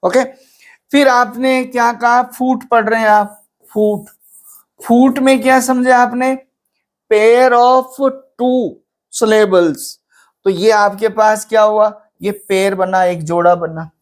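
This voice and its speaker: Slow, patient literature teacher. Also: medium pitch, fairly even intonation. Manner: patient, counts syllables aloud, asks rhetorical questions; mixes English terms into Hindi explanations. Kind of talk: exam-prep lecture at a whiteboard.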